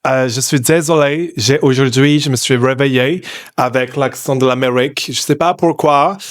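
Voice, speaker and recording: A man's voice: mid-range voice, normal speed, no room sound, clean studio sound, natural voice. A man from Bordeaux hosting a comedy podcast, putting on a fake American accent in French, rude and mock-apologetic, dropping English words in. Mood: snarky. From Bordeaux, France. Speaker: podcast host.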